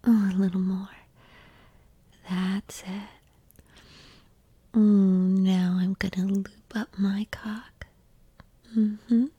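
Slow breathy whispering woman. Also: medium pitch, little pitch movement, no echo. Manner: soft, slow, coaxing and reassuring. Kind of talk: whispered ASMR roleplay.

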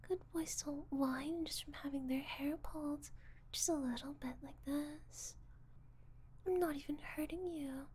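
A woman in a whispered audio roleplay, voicing a possessive, controlling woman who calls herself Mommy and talks slowly, coaxing and condescending. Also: sits high, fairly even intonation. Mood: taunting. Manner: soft breathy whispering, slow and coaxing; condescending, teasing.

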